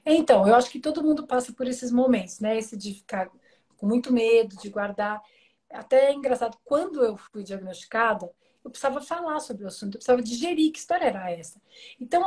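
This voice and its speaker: A Brazilian woman in her forties with a high, light voice. She talks openly about her own life as an interview guest, mixing frankness with a humorous, lively way of telling stories. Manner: candid, humorous, lively storytelling. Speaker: guest, author. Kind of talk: casual interview chat.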